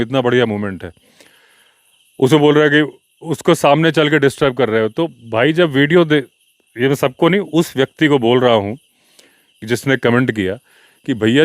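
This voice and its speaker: A man's voice: fairly high pitch, no echo, clean studio sound. A man hosting his own wildlife podcast, talking casually and explaining himself to his viewers. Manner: conversational, explaining and answering viewer comments in a mildly defensive tone. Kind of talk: casual solo podcast talk.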